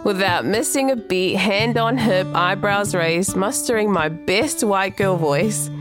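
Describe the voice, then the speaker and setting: A woman's voice: mid-range voice, unhurried. A woman born in Samoa and raised in New Zealand, hosting a podcast in scripted narration with personal stories. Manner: reflective, personal storytelling. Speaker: podcast host. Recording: music bed underneath. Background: guitar music.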